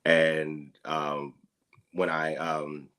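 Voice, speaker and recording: A man in his thirties from the US Midwest, a guest explaining things in a relaxed, unhurried way with many fillers. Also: very deep voice. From Dayton, Ohio, US Midwest. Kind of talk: casual interview talk.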